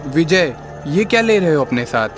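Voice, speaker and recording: A man's voice: on the high side, sing-song, normal speed. A man playing an earnest, determined village boy in cartoon story dialogue. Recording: music behind the voice.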